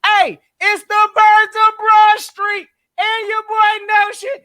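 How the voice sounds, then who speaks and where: A man co-hosting a sports podcast, shouting loud hype calls to open the show. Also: extremely high pitch, completely flat delivery, takes it slowly, no room sound. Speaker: podcast co-host.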